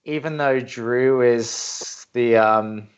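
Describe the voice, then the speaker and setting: A man, a voice actor, giving casual, thoughtful commentary in a halting way. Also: mid-range voice, clear, resonant tone, muffled recording.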